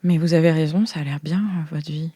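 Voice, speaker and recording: A naive young woman from a sci-fi future, acted by a woman in an audio role-play, speaks in a lowish, dry-recorded voice. She is eager and earnest, often puzzled, and explains her world hesitantly. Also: fairly even intonation, a little fast, warm tone, breathy edge, no room sound.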